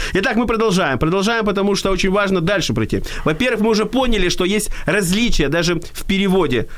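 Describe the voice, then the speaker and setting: A man with a high pitch speaks very fast, his loudness very even. Noticeable noise sits in the background. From Odesa, Ukraine. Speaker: radio host. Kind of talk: casual radio conversation. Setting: studio.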